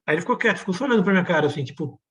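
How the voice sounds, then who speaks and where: A man's voice: sits high, animated, very fast, fairly bright tone. Conversational man teaching Bible class. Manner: conversational, ends points with "né?"; repeats key phrases for emphasis. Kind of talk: teaching a Bible lesson, reading scripture aloud.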